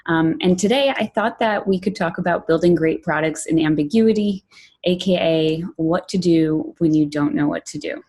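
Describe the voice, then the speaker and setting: A woman from Poland, raised in New York, giving a prepared conference talk as a product director, measured and clear, with lists and emphasis. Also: sits low, darkish tone. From Poland, raised in New York City.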